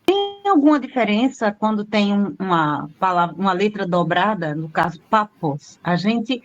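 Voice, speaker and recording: A woman's voice: mid-range voice, very animated, normal speed, highs cut off. A female student asking her teacher a pronunciation question, thinking it through aloud.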